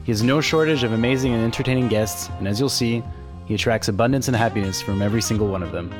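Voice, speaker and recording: A man's voice: medium pitch, quick pace, over music. A man hosting a casual podcast interview, enthusiastic and chatty, who laughs easily. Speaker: podcast host.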